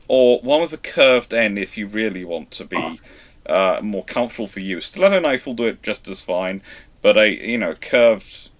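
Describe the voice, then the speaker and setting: A man hosting a live naval history question show, talking in an animated way with quick asides and dry jokes. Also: on the low side. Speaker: naval history channel host. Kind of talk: live Q&A chat.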